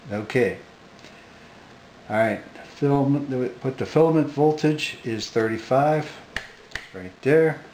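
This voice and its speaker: A man talking casually about his hobby, unhurried and hesitant, with lots of fillers, in a home workshop. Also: medium pitch, a little mellow, slight background noise, low-quality recording. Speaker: hobbyist radio collector. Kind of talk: casual talk to camera.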